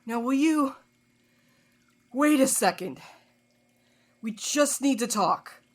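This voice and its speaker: An actress playing a tough, sharp-tempered woman in an audio drama, with a dry, no-nonsense manner. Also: high-pitched, animated, slow, exaggerated voice. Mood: pressing. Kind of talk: scripted audio drama acting.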